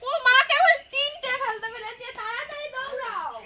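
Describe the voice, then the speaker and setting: A woman giving lively play-by-play as a game host, urging players on with short repeated phrases. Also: extremely high pitch, moderate pace. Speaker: game host and cheering commentator. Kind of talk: lively play-by-play commentary and counting. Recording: very noisy outdoor recording, distant, birdsong.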